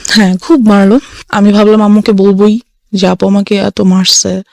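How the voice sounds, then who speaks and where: A woman's voice: medium pitch, level tone, moderate pace, creaky, darkish tone. Young woman earnestly telling her story. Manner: earnest, mixes English phrases into her talk. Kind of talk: personal storytelling.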